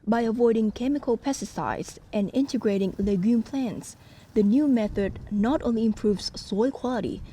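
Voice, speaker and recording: Mellow-toned woman news narrator. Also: on the high side, moderate pace. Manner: steady, informative delivery. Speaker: news reporter. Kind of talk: scripted voice-over narration.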